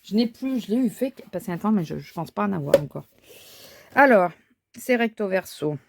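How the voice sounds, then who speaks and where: A woman's voice: medium pitch, expressive, normal speed, gravelly, noisy background. A woman thinking aloud as she crafts, talking casually with frequent fillers and restarts. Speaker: crafting vlogger. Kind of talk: casual chat while crafting.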